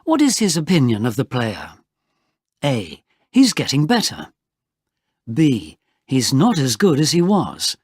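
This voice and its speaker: Slow, breathy exam narrator, a man. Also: mid-range voice, wildly swooping pitch, darkish tone, dry recording, clean studio sound. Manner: slow, deliberate, very clearly spoken. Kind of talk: scripted test instructions.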